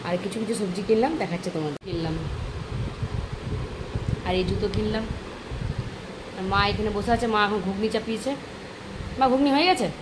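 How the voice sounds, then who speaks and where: A woman chatting to viewers in a casual daily vlog, speaking softly because of a sore throat. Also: medium pitch, fairly even intonation, fairly quick, pauses often. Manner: chatty, addresses viewers directly. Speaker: vlogger. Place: home and outdoors, moving around. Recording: noisy phone recording.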